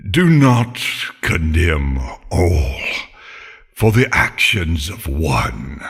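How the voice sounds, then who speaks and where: A man voicing an older, dying male centaur who speaks in a pained, labored but steady way. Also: extremely low pitch, extremely slow, vocal fry, husky, in a large hall, exaggerated voice.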